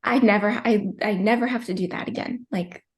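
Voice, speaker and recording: A young woman in her twenties, mid-range in pitch and speaking a little fast, shares her personal birth story as a podcast guest. She's chatty and emotional, packing her talk with fillers and plenty of "likes," and at times she sounds tearful.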